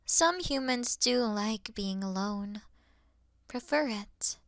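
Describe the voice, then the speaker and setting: Woman doing a soft whispery moth girl, kinda formal n awkward, really slow, dry sound, sleep asmr roleplay. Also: medium pitch, dry recording. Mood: earnest, soothing. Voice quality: soft, often whispered, breathy. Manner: slow, gentle, slightly formal and hesitant.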